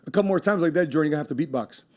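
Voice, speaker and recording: A man's voice: fairly high pitch, expressive, very fast, darkish tone. Laughing, rambling male podcast host. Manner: laughing, rambling, many fillers. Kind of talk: casual podcast chat.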